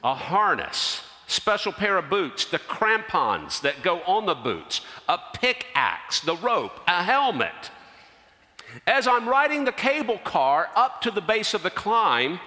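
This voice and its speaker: A middle-aged male pastor telling a personal story in a sermon, animated and dropping his voice low for emphasis. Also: slow. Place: church. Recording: long hall reverb.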